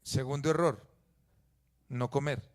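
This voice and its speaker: Male pastor, mid-pitched, preaching with dramatic shifts between forceful emphasis and soft asides. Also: fairly even intonation, slow. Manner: swings from loud emphatic peaks to low quiet asides. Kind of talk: sermon.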